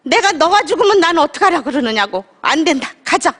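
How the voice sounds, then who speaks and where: A woman's voice: extremely high pitch, very animated, brisk, fairly bright tone, full character voice. A woman voicing her distraught older mother, scolding and pleading with her daughter.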